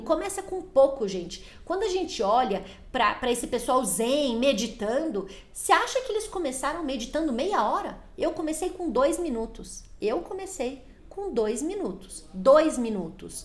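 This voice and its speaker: High-voiced woman in her forties coaching parents. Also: roomy sound. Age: 40s. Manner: coaching, acts out little dialogues in quick changing voices. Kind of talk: casual live talk to viewers.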